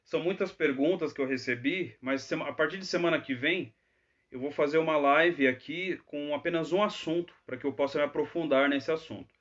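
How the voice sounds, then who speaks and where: A man's voice: on the high side, fairly quick, fairly bright tone, highs cut off. A man teaching English in a live Q&A, chatty and always checking in with tag questions. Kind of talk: live Q&A lesson.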